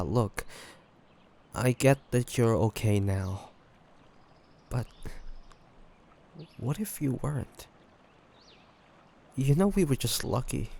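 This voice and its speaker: A low-voiced, creaky male vampire, played by a man in an intimate audio roleplay. He is gentle and full of remorse, picking his words slowly and haltingly, with earnest pauses. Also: a little hiss or hum. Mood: shaken, earnest.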